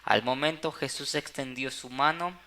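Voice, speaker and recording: A man's voice: medium pitch, moderate pace, bright, forceful tone. A man reading Bible passages aloud for a church audio channel, with small stumbles and restarts. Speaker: Bible reader. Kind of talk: scripture reading.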